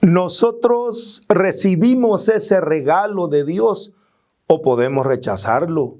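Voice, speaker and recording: A man's voice: sits high, lively intonation, slow, darkish tone. A man preaching as a Catholic teacher, earnest and emphatic, often quoting scripture, with a Salvadoran Spanish accent.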